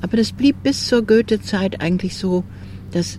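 A woman's pitch swings very widely over noticeable background noise. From northern Germany, Hamburg. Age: 70s. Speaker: garden owner, former journalist. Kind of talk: interview. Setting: outdoors on a garden terrace.

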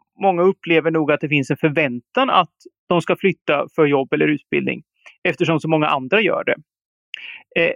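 A man's high-pitched voice, with ordinary pitch variation, proceeds at a moderate pace. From Sweden, Östergötland. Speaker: agronomist and opinion writer. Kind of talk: panel discussion.

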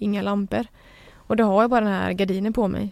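A woman talks very fast in a fairly high voice. Her tone is dark and mellow. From Sweden, Falkenberg (Halland). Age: 20s. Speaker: tsunami survivor. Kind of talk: testimony. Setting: studio.

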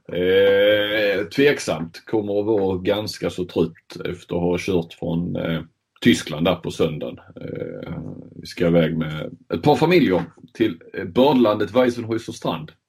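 A man speaks very slowly. His voice is very deep and low, with ordinary pitch variation. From Skåne, Sweden (Kristianstad). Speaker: handball podcast co-host. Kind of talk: casual chat. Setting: home studio.

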